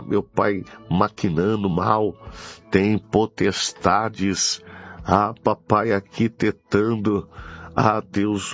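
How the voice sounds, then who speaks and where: Slow, gravelly Brazilian man praying. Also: lowish voice. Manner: repetitive, pleading, with frequent devotional interjections. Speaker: preacher leading prayer. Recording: dull lo-fi audio with music behind. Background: music.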